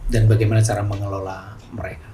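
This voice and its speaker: A man hosting an interview, attentive and quick to agree, asking questions in a conversational tone. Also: fairly low pitch, little pitch movement. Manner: attentive, frequent short agreeing replies. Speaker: interview host. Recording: roomy, distant mic with music behind.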